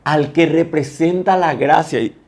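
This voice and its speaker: A male pastor, preaching a sermon with feeling, swinging between loud bursts and hushed lines. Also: medium pitch, unhurried.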